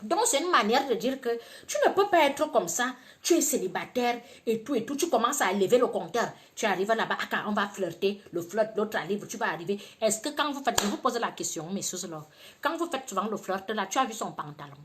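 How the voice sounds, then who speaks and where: Animated woman giving advice. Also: mid-range voice, a little fast. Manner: animated storytelling, teasing asides, acts out quoted people. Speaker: video blogger giving advice to women. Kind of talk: casual advice monologue.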